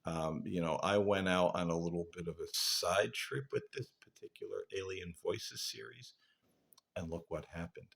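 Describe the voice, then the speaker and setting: A man hosting a paranormal channel, talking casually and reflectively to viewers in an earnest, halting, rambling way. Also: low voice, steady tone, gravelly, a bit bright. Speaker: paranormal investigator and channel host.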